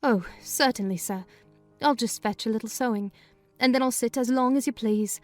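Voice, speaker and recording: A woman's voice: on the high side, normal speed, no echo, soft background music, lightly acted. A woman reading a kindly, talkative older housekeeper in a dramatized audiobook. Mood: chatty. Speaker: narrator voicing housekeeper.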